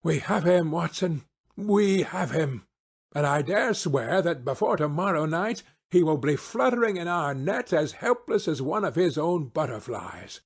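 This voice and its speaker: A man's voice: a little high, sing-song, unhurried, breathy edge, exaggerated voice. A man playing a confident, eager male detective in an audiobook, with commanding, precise phrasing. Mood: exultant. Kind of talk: audiobook character acting.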